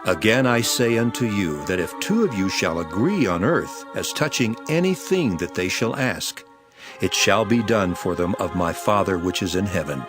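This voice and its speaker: A man playing Jesus as a solemn, authoritative teacher in a dramatized Bible reading, speaking in an emphatic, measured way. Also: sits low, lively intonation, over music. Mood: stern, emphatic.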